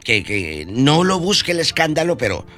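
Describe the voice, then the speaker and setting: A man's voice: on the high side, big pitch swings, normal speed, bright, forceful tone, faint music behind. A man hosting a radio show, gossiping about celebrities in a campy, chatty and theatrical way. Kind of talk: gossip chat.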